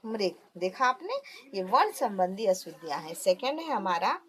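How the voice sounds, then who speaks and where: A woman's voice: medium pitch, big pitch swings, moderate pace, a bit bright, a little hiss or hum. A woman teacher explaining a textbook lesson patiently, often asking the listener questions as she goes.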